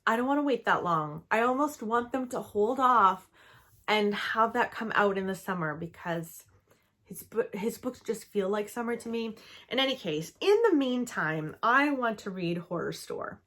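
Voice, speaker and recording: Woman, young adult, from Canada, casual vlog talk, enthusiastic, filler-heavy, middle pitch. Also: expressive, moderate pace, fairly bright tone. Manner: chatty and enthusiastic, frequent "um" and "like". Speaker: book vlogger. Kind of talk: casual book-review vlog.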